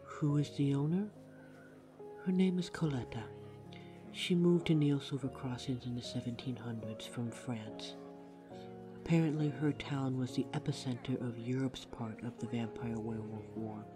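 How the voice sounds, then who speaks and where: A man acts out a vampire barista in an audio drama. He is polite on the surface, with dry, teasing barbs underneath. His mid-pitched voice sits over clearly audible music. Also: moderate pace, natural voice. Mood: explaining, polite. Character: courteous but snide centuries-spanning vampire barista. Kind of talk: audio roleplay acting. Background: music behind the voice.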